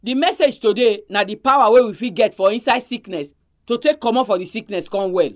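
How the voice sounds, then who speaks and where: A woman's voice: medium pitch, a little fast. A woman with a Nigerian Pidgin accent hosts a Christian advice radio programme, speaking in an earnest, exhorting manner.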